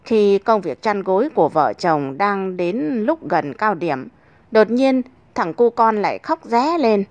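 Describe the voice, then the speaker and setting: A woman narrating a series of comic stories in a lively storytelling manner. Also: medium pitch, unhurried, dry recording. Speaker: joke narrator.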